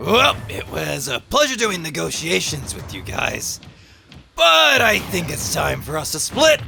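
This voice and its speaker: A put-on character voice performs over faint music in the background. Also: man, fairly slow pace. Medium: machinima. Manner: casual, laid-back.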